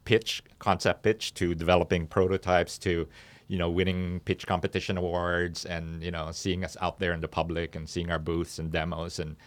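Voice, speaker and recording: A man speaking as an interview guest and startup founder, explaining his business in a conversational, halting and measured way in a studio. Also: low-pitched, level tone, dry recording.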